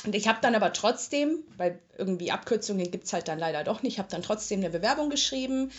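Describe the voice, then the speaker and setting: Young adult woman from Germany, interviewee, casual and slangy with plenty of filler pauses; mid-pitched voice on a somewhat dull recording. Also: expressive. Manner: chatty and colloquial, brisk storytelling with frequent filler pauses. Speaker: interviewee, tech customer support worker. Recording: slightly muffled lo-fi recording.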